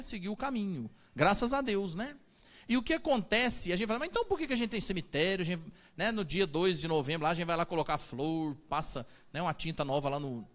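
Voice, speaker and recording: Joking Brazilian priest preaching to a congregation. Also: male voice, sits high, fairly bright tone. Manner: chatty and joking, asks the audience "né?". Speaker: Catholic priest. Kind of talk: sermon.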